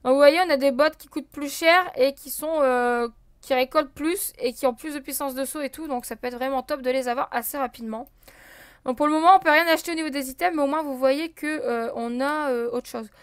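In clean studio sound with no room noise, a woman with a high, fairly quick voice narrates her gameplay casually for viewers. Full of fillers as she thinks aloud, she counts and checks items out loud as a let's play host.

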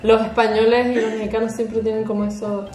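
A woman's voice: fairly high pitch, flat delivery, fairly quick, crowd noise. A woman with a Spain accent hosting a reaction video, chatty and explaining with many fillers. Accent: Spanish from Spain. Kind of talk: casual chat. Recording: echoey room.

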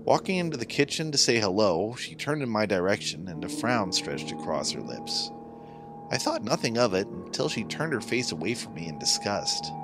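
A man's voice: on the low side, very animated, moderate pace, over music. A middle-aged man giving a scripted first-person narration of a horror story.

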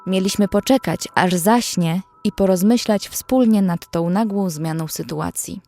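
An actress playing a young female survivor, caring and anxious, narrating a horror audio drama in measured, emotive storytelling. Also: fairly low pitch, darkish tone. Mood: calm, reflective.

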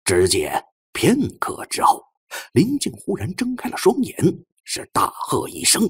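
A man narrating an audiobook as an animated, theatrical dramatic storyteller. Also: a little high, measured pace, breathy edge. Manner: expressive, theatrical delivery.

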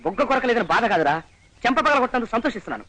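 An excitable lovestruck young man. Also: very high voice, exaggerated voice, poor audio. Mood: indignant. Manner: theatrical, rapid and exclamatory. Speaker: young suitor in a film comedy. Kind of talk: 1990s Telugu film comedy acting.

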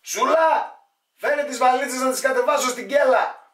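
A man voicing a bossy older immigrant housewife in a shrill, scolding falsetto. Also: fairly bright tone, roomy sound, slight background noise.

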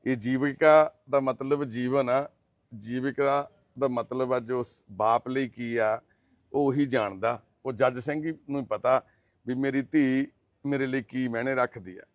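A middle-aged man, a charity volunteer, making a heartfelt appeal and gently consoling and questioning the people he visits. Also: mid-range voice, steady tone, measured pace, no room sound, clean studio sound. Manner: earnest, gently consoling, explanatory. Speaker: charity volunteer presenting a case. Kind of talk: heartfelt appeal and on-site interview.

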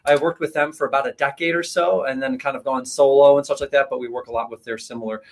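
A man appearing as a chiropractor guest, speaking calmly as he explains care to viewers. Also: medium pitch, fast talker. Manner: calm, explanatory, reassuring. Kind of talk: casual explanation.

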